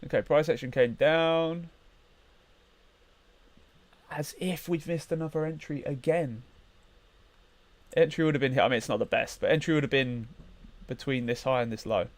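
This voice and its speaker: A man's voice: medium pitch, moderate pace, pauses often, dry recording. A man hosting a casual live trading stream, chatting and muttering to himself as he checks charts. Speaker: livestream trading host.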